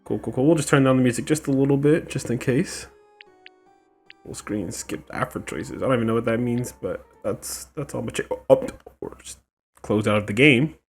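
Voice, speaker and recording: A man's voice: mid-range voice, normal speed, husky, soft background music. A man hosting a casual let's play, chatting informally and reacting aloud to the game. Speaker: gaming video host.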